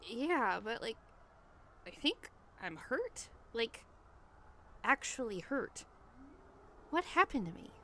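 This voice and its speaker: A brash, frantic woman, as an actress plays her, stranded in hell in a comedic audio drama. Her voice is very high and swings widely. She rambles in slow, drawn-out bursts. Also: very animated, a bit bright, exaggerated voice. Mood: wary.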